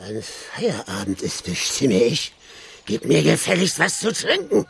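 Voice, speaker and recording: An actor playing a drunken, mocking, lecherous village squire and colonel in a German radio play. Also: male voice, medium pitch, wildly swooping pitch, measured pace, vocal fry, slightly rough, full character voice. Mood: belligerent, drunk. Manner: sneering, swaggering, swinging from murmurs to shouts.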